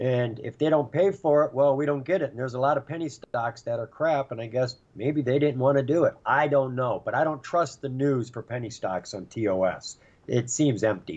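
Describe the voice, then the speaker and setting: Here is a man with an ordinary speaking voice, medium in pitch and with ordinary pitch variation. He keeps a moderate pace with hardly any pauses. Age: 60s. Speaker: stock trader. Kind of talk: casual chat.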